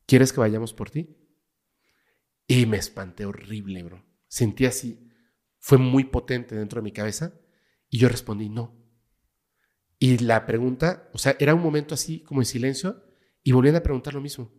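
Brisk and medium-pitched, this man, a paranormal investigator with a Mexican Spanish accent, is a guest on a casual podcast, narrating a tale theatrically and lowering to a hush when it gets tense.

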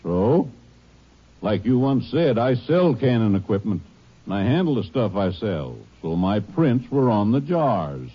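An actor playing a smug, slippery storekeeper suspected of murder, sneering with sarcasm in a 1950s radio drama. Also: male voice, fairly low pitch, big pitch swings, unhurried, breathy edge, full character voice. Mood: smug, mocking. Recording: dull vintage radio recording.

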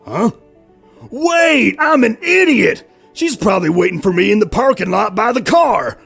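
Man as bumbling gravelly middle-aged dad, slow and excitable, faint music behind. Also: high-pitched, full character voice. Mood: rambling. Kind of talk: voiced animated roleplay.

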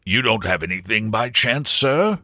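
A servile and faithful butler from a comic storybook, as a man reads him. He is deferential to his betters, with an expressive, moving pitch and a dry sound. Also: moderate pace, dry recording. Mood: discreet.

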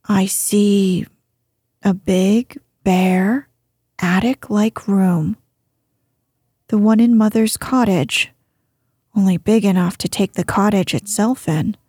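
A woman voicing a sturdy miner boy who answers gruffly and sulkily. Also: medium pitch, fairly even intonation, slow pace, pauses often, dark tone, no room sound, clean studio sound. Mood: sulky. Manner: gruff, clipped replies.

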